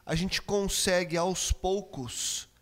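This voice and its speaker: A Brazilian man with a notably high voice leads a casual faith discussion. He reflects aloud and asks the others questions. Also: slow pace, a bit bright. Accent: Brazilian Portuguese.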